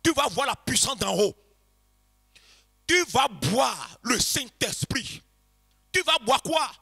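A man preaching a revival sermon to a congregation, passionately shouting and chanting repeated phrases and leading them in prayer. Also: very high-pitched, sing-song, takes it slowly, vocal fry, breathy edge. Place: church congregation.

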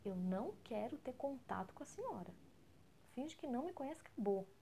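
Woman putting on a resentful young man, rapid-fire scolding, mellow low-key tone, hurried delivery. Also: very animated, vocal fry, a little hiss or hum. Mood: curt.

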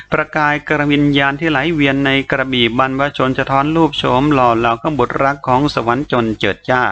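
A man reading a novel aloud as an audiobook narrator, in steady, dramatic storytelling. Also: mid-range voice. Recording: slightly muffled recording, faint noise.

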